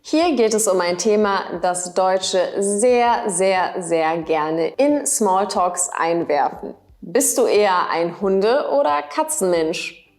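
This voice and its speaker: A woman teaching German, slowly and carefully, repeating each example sentence. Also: mid-range voice, lively intonation, darkish tone, faint music behind. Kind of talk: slow, clearly spoken language lesson.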